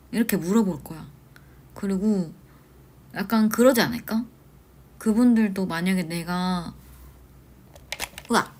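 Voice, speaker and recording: A young woman in her twenties, an idol hosting a casual livestream from a small room at home, chatting and telling animated stories. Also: mid-range voice. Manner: chatty, animated storytelling with shouted quotes. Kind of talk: casual livestream chat reading comments.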